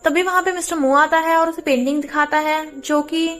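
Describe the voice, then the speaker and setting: Woman narrator, high voice, brisk drama recap, faint music. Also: fairly even intonation, a bit bright.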